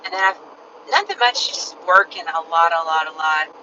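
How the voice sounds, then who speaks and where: A woman's voice: lowish voice, normal speed. A middle-aged woman chatting casually while driving in a car. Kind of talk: casual chat. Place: inside a moving car. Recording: distant, muffled, loud car road noise. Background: car and road noise.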